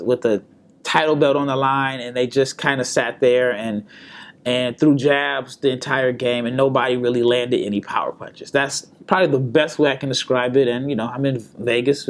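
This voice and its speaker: A man hosting a solo basketball podcast, his voice a little hoarse from a sore throat, talking casually and restarting his words often. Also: mid-range voice. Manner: conversational, repeats words and restarts. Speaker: podcast host and basketball scout. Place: hotel room or indoor spot in Las Vegas.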